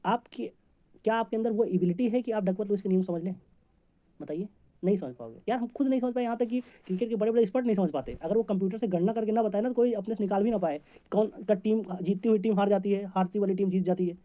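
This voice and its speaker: Fast-talking male exam teacher. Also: sits high, mellow. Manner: rapid, chatty, jokey teaching with homely examples. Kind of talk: memory-trick lesson for competitive exams.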